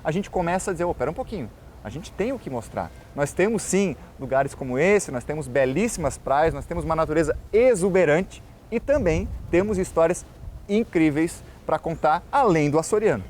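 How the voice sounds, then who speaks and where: A man's voice: a little high, lively intonation, fairly quick, darkish tone, slight background noise. A man from Florianópolis with a local manezinho accent, a tour guide and journalist talking earnestly in an interview and explaining his points. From Florianópolis, Brazil. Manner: earnest, explanatory, addresses the host by name. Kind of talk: casual interview talk.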